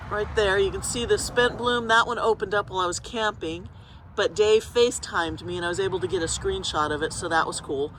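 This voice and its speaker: A woman's voice: medium pitch, bright, forceful tone, slight background noise. A woman with a congested, sniffly voice chatting casually as she walks through her garden in the morning, pointing things out in a meandering way. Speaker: garden vlogger. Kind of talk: casual walk-through commentary. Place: outdoor home garden in early morning.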